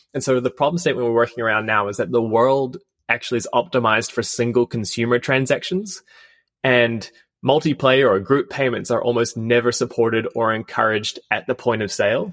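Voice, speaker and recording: A man with a New Zealand accent speaks at a fairly quick pace on a very clean recording with a silent background and a dry, close sound with no echo. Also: medium pitch for a man, ordinary pitch variation. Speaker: startup founder. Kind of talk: interview. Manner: casual, filler-heavy.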